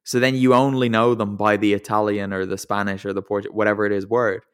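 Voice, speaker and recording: Rambling man, low voice. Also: flat delivery, quick pace, clean tone. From English-speaking country. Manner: rambling, self-deprecating, thinks aloud. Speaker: podcast host. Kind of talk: casual football podcast chat. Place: lives in Italy.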